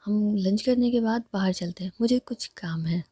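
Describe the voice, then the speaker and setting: A bossy older-sister figure lays down the law, as a woman voices her in a spoken story. The voice is husky and warm. The sound is dry. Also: mid-range voice, moderate pace, dry recording, close to an everyday voice.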